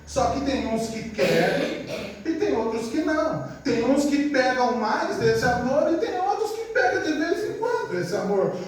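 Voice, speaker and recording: A man with a very high voice preaches a storytelling sermon, chatting with the congregation and checking that they agree. He acts out family members' voices as he tells stories. The recording comes from a distant mic in a very echoey church, with faint noise behind. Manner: conversational, often asks the congregation for agreement. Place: church service.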